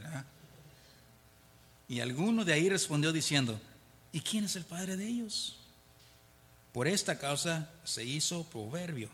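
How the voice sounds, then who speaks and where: Bright-voiced man preaching in a hall. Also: a little high, a little hiss or hum. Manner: conversational, often asks "¿verdad?", chuckles between points. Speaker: preacher teaching a Bible study. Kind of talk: informal Bible teaching, reading verses aloud and explaining. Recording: reverberant hall.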